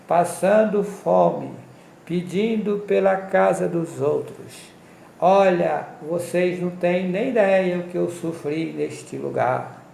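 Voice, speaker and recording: A man from Minas Gerais telling his own life story in a slow, solemn way. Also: high voice, vocal fry, darkish tone, echoey room. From Minas Gerais, Brazil. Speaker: testimony speaker. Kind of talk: personal life testimony.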